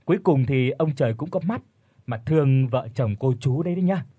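A man voicing a brisk, cheerful neighbor woman, a mother of three, in an audio story. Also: medium pitch, animated, mellow, breathy edge, no echo. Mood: amused. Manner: exclaiming, teasing.

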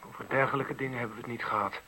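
An actor playing a hurt, accusing teenage son in a Dutch radio play, passionate and confused, with intense, confrontational delivery. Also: male voice, medium pitch, steady tone, racing, pushed and bright, a little hiss or hum, lightly acted, low-quality recording. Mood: subdued, firm.

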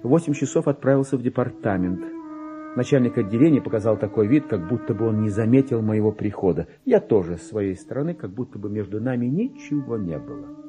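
A man's voice: fairly low pitch, animated, fairly quick, music in the background, lightly acted. An actor playing a vain, resentful middle-aged clerk in a radio play, pompous and exclamatory, as if muttering his diary to himself. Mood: sullen, matter-of-fact. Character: petty forty-two-year-old male clerk, vain, resentful, self-important. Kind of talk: theatrical radio play monologue, diary read aloud.

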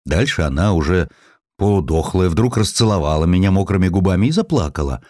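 A poor, worn-out former sailor , acted by a male reader, speaks in a deep voice with blunt, salty plainness. He is gruff and proud yet kind-hearted, and his pitch moves freely in a dry, close audio-story recording. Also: very animated, a little fast, dark tone, no echo. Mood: gruff, matter-of-fact.

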